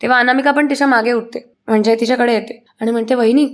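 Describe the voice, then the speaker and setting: A woman narrating a TV serial episode as a story, steady and with frequent hesitation sounds. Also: fairly high pitch, quick pace.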